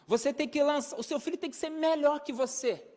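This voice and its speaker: A man's voice: extremely high pitch, fairly quick, darkish tone. A man preaching an emphatic sermon on parenting, repeating key phrases and acting out everyday dialogue. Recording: long hall reverb.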